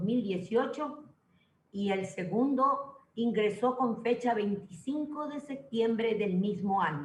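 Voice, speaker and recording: The voice has ordinary pitch variation, with audible room echo. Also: woman. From Ecuador. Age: 70s. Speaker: legislator, former teacher. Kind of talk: parliamentary speech. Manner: formal.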